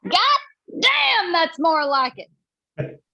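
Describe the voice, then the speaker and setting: A woman's voice: extremely high pitch, sing-song, drawn-out words, gravelly, pushed and bright, lo-fi sound, exaggerated voice. A woman playing a feisty, blunt rebel country mother at a screenplay table read.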